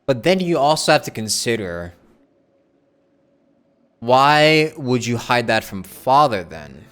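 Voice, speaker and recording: A man's voice: mid-range voice, big pitch swings, slow pace, fairly bright tone. A young man commenting casually on a game as he plays, rambling with lots of fillers. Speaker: streamer.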